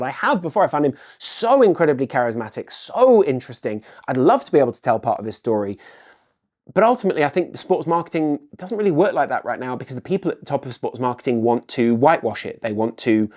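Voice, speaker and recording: Fast-talking middle-aged Englishman. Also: medium pitch, darkish tone. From England. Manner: earnest, repetitive, uses "ultimately" often. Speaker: football channel host. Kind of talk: solo video commentary.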